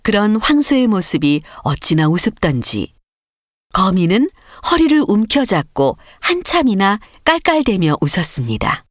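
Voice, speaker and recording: A woman's voice: mid-range voice, no echo, clean studio sound. A woman narrating a children's story as a scripted audiobook reading.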